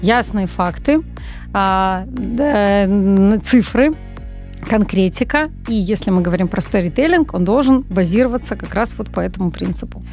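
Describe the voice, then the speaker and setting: Animated forty-something woman in a radio studio. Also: medium pitch, normal speed, soft background music. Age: 40s. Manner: animated, expressive storytelling with frequent hesitations. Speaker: guest copywriter. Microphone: large studio mic on boom arm, wearing headphones.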